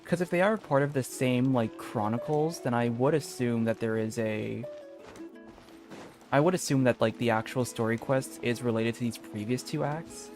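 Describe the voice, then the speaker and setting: A man's voice: mid-range voice, moderate pace. A man doing casual gameplay commentary as a streamer, rambling and thinking aloud, with game music behind him.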